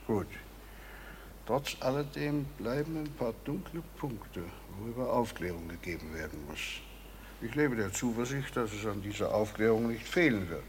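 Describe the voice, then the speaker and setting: A man acting in a German radio drama as a stern justice official, speaking with formal, deliberate authority. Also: lowish voice, expressive, a little hiss or hum, close to an everyday voice. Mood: formal, probing.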